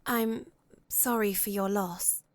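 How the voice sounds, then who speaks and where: A woman's voice: mid-range voice, fairly even intonation, slow pace, dry recording, studio quality, close to an everyday voice. An actress playing a proud, haughty lady traveler in a visual novel, formal and curt in manner. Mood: prim, softening. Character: proud, haughty lady traveler, sharp-tongued but well-read.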